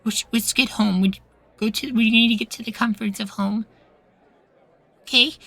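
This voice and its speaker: A man acting a sweet, anxious, devoted young boywife in a soft, pleading ASMR roleplay. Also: high-pitched, steady tone, moderate pace, gravelly, no echo, some chatter behind, full character voice. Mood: worried, relieved.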